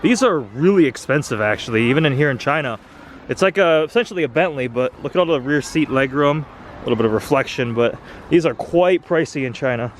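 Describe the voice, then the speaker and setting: A young American man runs a casual car-spotting vlog, talking as he walks city streets and visits shops and pointing things out in a chatty way. His mid-range voice is expressive and brisk. His handheld camera mic adds a little hiss or hum.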